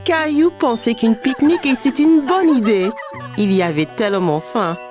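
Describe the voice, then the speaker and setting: A woman's voice: a little high, animated, moderate pace, over music, close to an everyday voice. A woman narrating a children's cartoon in the manner of a storybook reader. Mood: storytelling. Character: storyteller of a small boy's everyday adventures.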